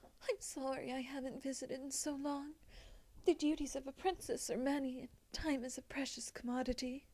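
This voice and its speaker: A woman voicing a wistful, regal winged pony princess in a storybook, speaking formally, softly and solemnly. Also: sits high, level tone, moderate pace, pitched above the performer's own voice, lightly acted. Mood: tender, apologetic. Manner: formal, soft-spoken, solemn. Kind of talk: storybook character acting.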